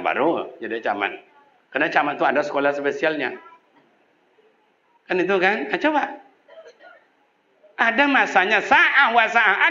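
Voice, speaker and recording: A man preaching a humorous sermon, teasing the congregation and mimicking local people. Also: a little high. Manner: jokey, lively storytelling with mimicked voices. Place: mosque. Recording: echoey mosque, dull sound.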